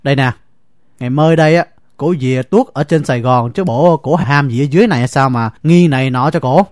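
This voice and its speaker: An actor with a Southern Vietnamese accent playing a timid husband who pleads in a flustered way in an audio drama. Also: male voice, medium pitch, a little fast, darkish tone, no room sound, studio quality, close to an everyday voice. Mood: pleading. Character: harried timid husband caught between two women.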